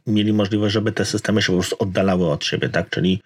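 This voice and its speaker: A man's voice: fairly low pitch, steady tone, very fast. A man co-hosting a casual tech podcast, explaining things and searching for words mid-sentence. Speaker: podcast co-host.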